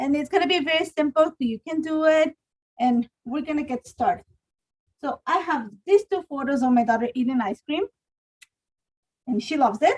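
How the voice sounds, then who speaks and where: Speaking in a Spanish accent, a woman uses a high pitch and lively intonation at a moderate pace. She leaves long, frequent pauses, and the sound is dry and close with no echo. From Ecuador. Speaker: craft instructor. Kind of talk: live craft tutorial. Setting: live stream. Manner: casual, chatty.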